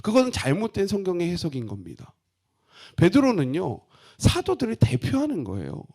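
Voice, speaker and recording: A man's voice: high voice, wildly swooping pitch, normal speed, dark tone, breathy edge. A middle-aged man preaching a Bible sermon, asking the congregation questions and acting out the disciples' lines in blunt everyday speech. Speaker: pastor.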